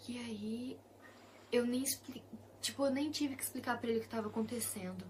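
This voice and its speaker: Soft-spoken young Brazilian woman. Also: on the high side, fairly quick, slight background noise. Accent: Brazilian Portuguese. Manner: soft and intimate, often dropping to a hushed whisper. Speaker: Christian testimony speaker. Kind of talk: personal testimony.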